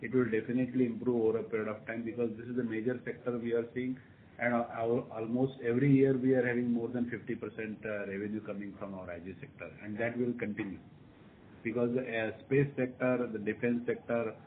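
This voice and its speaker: A man's voice: little pitch movement, a little fast. A man with an Indian accent, a company executive giving unscripted answers on a conference call, repeating himself for reassurance. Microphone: telephone conference line. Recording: noisy narrowband phone line with rumble.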